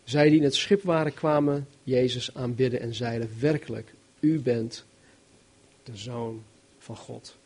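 A man preaching a sermon, reading Bible verses and explaining them in an animated, emphatic way, swinging between loud and soft. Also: medium pitch, measured pace, breathy edge. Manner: animated, emphatic, varies loudness widely.

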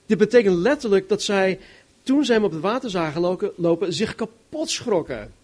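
A man preaching a sermon, reading Bible verses and explaining them in an animated, emphatic way, swinging between loud and soft. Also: sits high, moderate pace. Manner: animated, emphatic, varies loudness widely.

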